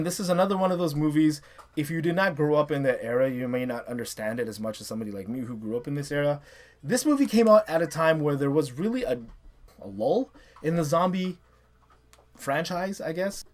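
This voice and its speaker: On the high side in pitch, this man of about thirty or forty is an enthusiastic fan hosting online reviews. He delivers casual, opinionated countdown commentary.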